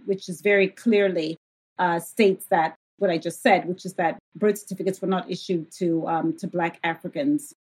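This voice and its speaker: Woman, 50s, economist guest, husky voice, thoughtful, lots of fillers. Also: medium pitch. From Zambia. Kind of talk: interview conversation.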